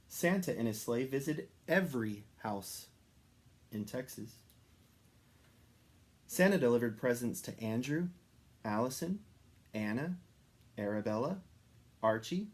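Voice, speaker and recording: Slow, very expressive male storybook reader. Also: mid-range voice. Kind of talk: expressive read-aloud of a children's story.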